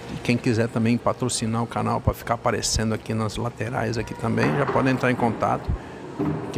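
A man delivers his words at a fairly quick pace with ordinary pitch variation as loud background noise fills the recording. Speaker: live stream commentator. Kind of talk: commentator reading chat, casual. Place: hall.

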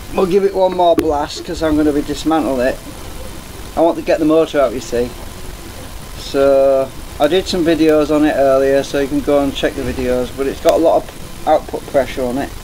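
Light background noise sits under talk that runs at a fairly quick pace. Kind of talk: casual live stream tutorial. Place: home room. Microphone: webcam.

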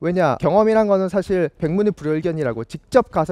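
A man's dark, mellow voice at a fairly quick pace, with ordinary pitch variation, dry echo-free sound and a quiet background. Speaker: university professor. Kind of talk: lecture. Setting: lecture space, standing. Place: stage. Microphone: headset.

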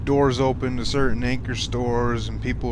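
A man talks at a moderate pace, his voice dry with no echo, over noticeable background noise. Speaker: travel vlogger. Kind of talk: casual vlog chat. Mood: a little wistful. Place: car. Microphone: phone near.

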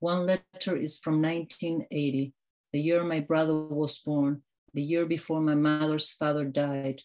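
Against a quiet background, a woman speaks at a fairly slow pace with a very deep, low pitch, very even loudness and monotone, flat intonation. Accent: Spanish. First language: Spanish. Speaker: poet. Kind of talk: reading aloud. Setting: video call. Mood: calm, reflective. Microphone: webcam.

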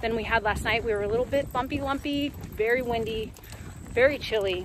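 The woman speaks at a moderate pace with ordinary pitch variation. Her sound is dry with no echo, and there is noticeable background noise. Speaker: travel vlogger. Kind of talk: casual vlog chat. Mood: upbeat, relaxed. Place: street. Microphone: phone near.

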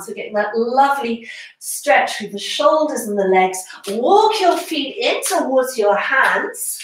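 A woman with a high pitch speaks fairly slowly, her pitch swinging very widely, amid audible room echo and light background noise. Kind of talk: live-streamed exercise class instruction and chat. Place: home room.

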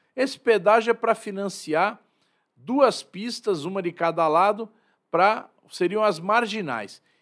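A man with a high pitch speaks at a fairly slow pace, with ordinary pitch variation. The background is quiet. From Brazil. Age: 60s. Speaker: politician and podcast host; politician, podcast host. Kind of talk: casual interview. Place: studio. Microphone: studio mic.

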